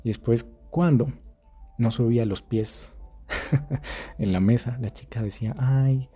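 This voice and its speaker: Husky man acting out scenes. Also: medium pitch, measured pace, dark tone, soft background music. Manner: dramatic, acts out scenes, profane. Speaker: dating advice creator. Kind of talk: casual monologue to camera.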